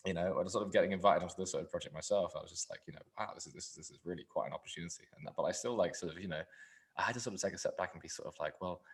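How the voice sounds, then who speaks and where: A man hosts a podcast in a loose, rambling way, stacking up fillers and restarts. He talks low and fast, and his voice often drops off to a murmur. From England. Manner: rambling, filler-heavy, trailing off quietly. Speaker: podcast host. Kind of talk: casual podcast chat.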